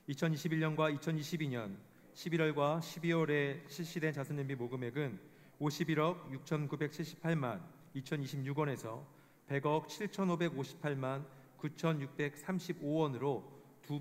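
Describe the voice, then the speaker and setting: A man giving a formal scripted report, reading statistics in a measured way. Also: a little high. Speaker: presenter of a report. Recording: long hall reverb.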